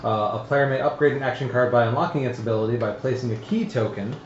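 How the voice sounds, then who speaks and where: Halting man explaining game rules, roomy sound. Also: mid-range voice. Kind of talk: casual tabletop game chat with rules reading. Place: indoor room, group around a game table. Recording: roomy, dull lo-fi live stream with noise.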